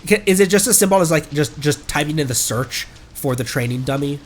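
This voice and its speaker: A man doing casual live gaming commentary as a streamer, talking in an excitable, rambling way. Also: on the high side, brisk, a little hiss or hum. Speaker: game streamer.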